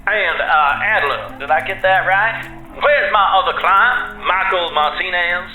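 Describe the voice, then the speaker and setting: An actor playing a smug, condescending defense lawyer in an audio drama, with a folksy, theatrical Southern drawl. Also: male voice, high voice, a little slow, pushed and bright, heavily acted. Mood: smug, playful. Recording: roomy echo, faint music behind.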